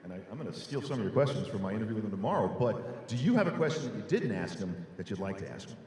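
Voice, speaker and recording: A man's voice: fairly low pitch, expressive, racing, darkish tone, a little hiss or hum. A man moderating a convention panel, bellowing introductions and then asking casual questions. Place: large convention hall. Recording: echoey hall from far off with crowd.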